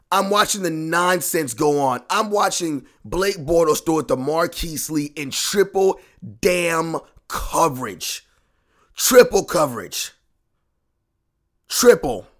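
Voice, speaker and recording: A hoarse man who has lost his voice, hosting a sports podcast alone and ranting in frustration with plenty of swearing and repetition. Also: fairly high pitch, fairly bright tone. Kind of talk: solo ranting sports talk.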